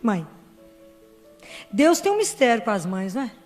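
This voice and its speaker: A woman's voice: a little high, sing-song, normal speed, a little mellow. A Brazilian woman giving a fervent devotional sermon to a crowd and acting out dialogue as she preaches. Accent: Brazilian Portuguese. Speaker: Catholic speaker and doctor. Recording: reverberant hall with faint music.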